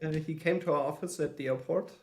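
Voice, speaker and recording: A man's voice: a little high, fairly even intonation, fast, creaky, a little mellow. Hesitant German man guest on a call. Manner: thoughtful, hesitant, many fillers and restarts. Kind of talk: podcast interview answers. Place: home.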